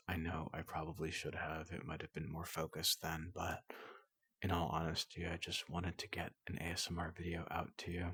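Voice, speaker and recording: A man speaking softly and hesitantly in an unscripted, hushed and slightly apologetic sign-off as an ASMR creator. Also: deep voice, slightly rough, no room sound. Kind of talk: soft-spoken unscripted ASMR outro. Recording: noticeable background noise.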